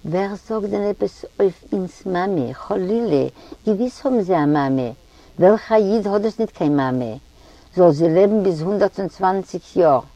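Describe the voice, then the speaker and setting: A woman's voice: medium pitch, lively intonation, unhurried, dark tone, no room sound. A woman voicing an anxious, tearful mother who keeps a café, pleading and complaining in an audiobook reading. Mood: placating. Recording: dull lo-fi audio.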